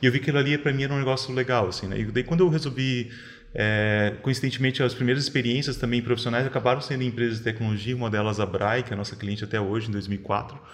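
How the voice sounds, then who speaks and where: With fairly even intonation and a medium pitch, a man rushes along at a very fast pace. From Santa Catarina, Brazil (Rio do Sul). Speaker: journalist and communications consultant. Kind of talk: podcast interview.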